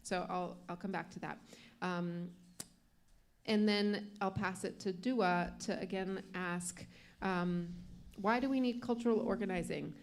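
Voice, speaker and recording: A woman moderating a panel discussion, soft-spoken and using fillers as she hands over to a speaker. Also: lowish voice, fairly even intonation, unhurried, a little hiss or hum.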